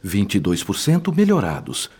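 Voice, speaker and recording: A wise, patient spirit mentor in a Brazilian radio drama. He has a lowish voice with very lively intonation and explains things formally, with grave compassion. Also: moderate pace, husky, heavily acted. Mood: grave, factual. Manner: didactic, formal, eloquent. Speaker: instructor.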